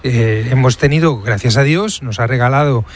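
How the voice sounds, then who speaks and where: A man giving reflective studio commentary on radio, measured and thoughtful. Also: mid-range voice.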